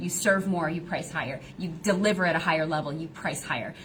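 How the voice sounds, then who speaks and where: Over noticeable background noise and audible room echo, a woman speaks in an animated tone at a fairly quick pace. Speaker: business coach. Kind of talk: live training. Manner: fast.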